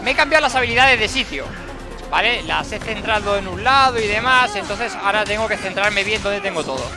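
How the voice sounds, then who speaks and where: High-voiced excitable Spanish gamer. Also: male voice, fairly quick, a crowd in the background. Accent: Spain Spanish. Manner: excitable, jokey, talks to the game characters. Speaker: gaming channel host. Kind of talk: gameplay commentary. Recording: game music and sounds behind.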